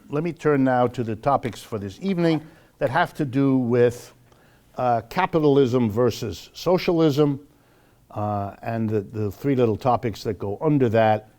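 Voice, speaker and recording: A man with an American accent lecturing off the cuff to a live audience, wry and emphatic, slowing for dramatic weight. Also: medium pitch, darkish tone. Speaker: lecturer hosting a monthly public talk.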